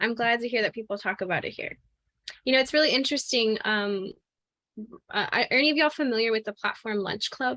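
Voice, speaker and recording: A woman with an American accent and a fairly high voice speaks in an animated tone. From Texas. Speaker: technical recruiter, proposal presenter. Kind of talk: casual group discussion. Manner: animated, many fillers.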